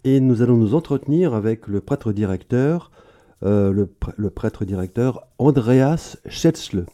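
A man's voice: mid-range voice, expressive, unhurried, warm tone. A man with a German accent, a radio host welcoming and questioning his guest in a formal, friendly way, with occasional stumbles. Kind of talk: radio interview.

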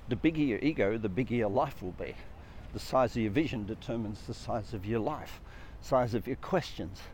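In this reflective spiritual talk, a man who speaks on personal growth muses earnestly on the soul and on purpose, using a medium-pitched, gently mellow voice. His delivery is repetitive, piling question upon question and phrase upon phrase, while faint traffic noise carries behind him.

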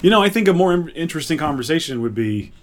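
A man's voice: fairly high pitch, big pitch swings, fast. A man co-hosting a podcast in a casual, conversational chat. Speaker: podcast co-host. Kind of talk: casual chat about movies and video games.

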